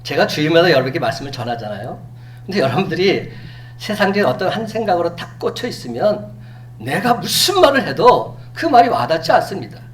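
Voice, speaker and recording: Animated male pastor preaching from afar. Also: on the high side, a little fast. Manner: animated preaching, acting out quoted speech. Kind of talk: sermon. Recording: distant mic with faint hum.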